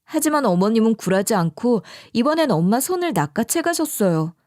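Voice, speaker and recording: Expressive woman narrating a story. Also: on the high side, a little fast, no room sound, clean studio sound.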